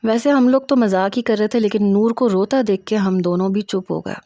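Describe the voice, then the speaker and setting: Young woman storyteller, steady first-person narration, mellow tone, dry close sound. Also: medium pitch, dry recording.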